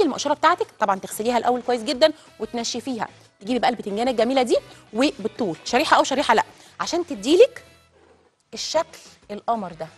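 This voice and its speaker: A woman with an Egyptian accent hosting a TV cooking show, chatting straight to viewers as she cooks in a studio kitchen. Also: a little high. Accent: Egyptian Arabic. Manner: chatty, addresses viewers directly. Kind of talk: live cooking demonstration.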